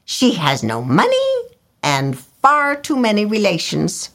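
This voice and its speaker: A woman's voice: mid-range voice, huge pitch swings, slow, a bit bright, voice pushed up, exaggerated voice. A woman voicing a flock of gossipy, disapproving swallows in a storybook reading. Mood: scornful. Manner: twittering, disapproving.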